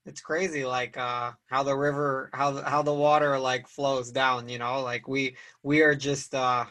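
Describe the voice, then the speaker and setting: A man's voice: mid-range voice, little pitch movement, measured pace, bright, forceful tone. A young man hosting a casual interview, loose and chatty with lots of "like". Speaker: podcast host. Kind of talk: casual conversation.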